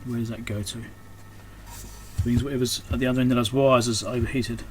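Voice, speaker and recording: Male repairer, medium pitch, casual hands-on commentary, unscripted and trailing off, audible background noise. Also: fairly even intonation, normal speed. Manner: unscripted, thinking aloud, trailing off mid-thought. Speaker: electronics repairer and video host. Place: indoors at a repair workbench. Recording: clear background noise, room ambience.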